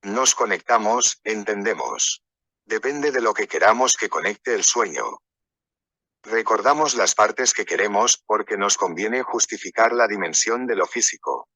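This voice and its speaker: A man teaching a workshop in a loose, storytelling manner, wandering from one anecdote to the next. His voice sits low but has a bright, forceful edge. The sound is dry, with no room reverb. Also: animated, measured pace. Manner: rambling, anecdotal, conversational. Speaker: workshop speaker. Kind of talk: storytelling lecture.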